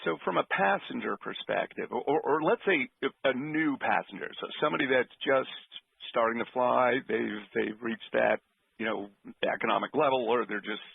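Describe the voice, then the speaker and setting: A man's voice: mid-range voice, vocal fry, husky, dry recording. A man asking a question as a financial analyst on an earnings call, informal and rephrasing as he goes. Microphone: phone. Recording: narrow phone line, dry.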